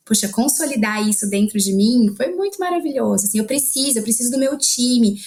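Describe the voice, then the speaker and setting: Energetic in tone, a woman speaks at a fairly quick pace in a high pitch. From Brazil, Marília (São Paulo state interior). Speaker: lawyer. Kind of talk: podcast interview. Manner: fast.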